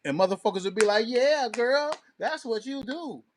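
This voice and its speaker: A man's voice: extremely high pitch, expressive, moderate pace, a little hiss or hum. A man co-hosting a talk show in casual, opinionated discussion, with a slangy and profane way of talking.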